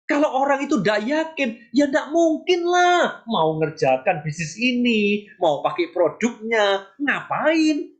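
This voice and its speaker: A woman gives a motivational training talk as a mentor. Her voice sits fairly high and swings widely in pitch. She is emphatic and chatty, addressing listeners directly and tossing out rhetorical questions. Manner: acts out short sample dialogues.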